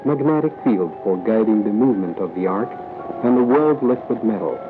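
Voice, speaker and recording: Man, documentary narrator, mid-pitched and measured, tinny lo-fi recording over a music bed. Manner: measured, even reading of a history script. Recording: tinny lo-fi audio with music underneath.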